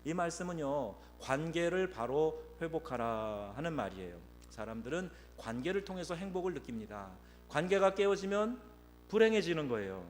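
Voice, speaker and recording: A man preaching a Sunday sermon as pastor, swinging from quiet asides to loud acted-out quotes. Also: fairly high pitch, long reverb tail. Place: church sanctuary.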